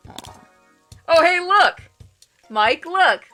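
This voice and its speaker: A woman reading game text aloud and reacting casually, with a playful, expressive manner. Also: very high voice, very slow, soft background music. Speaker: game streamer.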